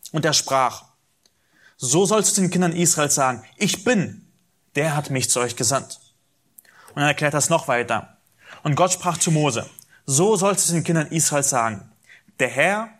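Animated German-speaking male preacher. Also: fairly high pitch. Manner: animated, acts out quoted dialogue; addresses listeners directly. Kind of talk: sermon, Bible teaching.

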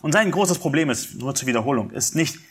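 A man's voice: a little high, animated, brisk, husky. Man, preacher; earnest expository sermon, addresses the congregation directly, leans on key words. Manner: earnest, explains verse by verse, speaks to the congregation directly.

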